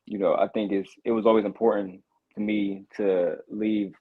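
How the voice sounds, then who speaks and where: A man from Detroit calling in to a casual chat, speaking earnestly in halting fragments. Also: fairly low pitch, steady tone. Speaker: caller. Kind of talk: casual live-audio chat. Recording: tinny phone-like line.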